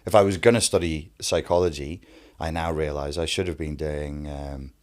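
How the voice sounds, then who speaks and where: A man with a Wirral Scouse accent, an interview guest telling his life story fluently and briskly. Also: very deep voice, steady tone, a little mellow. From Wirral, England.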